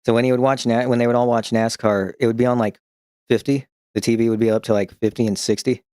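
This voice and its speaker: A man streaming in a casual chat, telling rambling, profane stories with frequent restarts and chuckling along, who picks up a slight New York twang when he gets excited. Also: medium pitch, quick pace, dry recording, clean studio sound. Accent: slight New York-style twang when excited.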